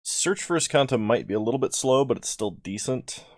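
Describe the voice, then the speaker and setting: A man's voice: medium pitch, expressive, fairly quick, no room sound, studio quality. A sleepy man giving casual gameplay commentary, thinking aloud as he weighs each choice. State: sleepy, yawning. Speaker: video creator drafting cards.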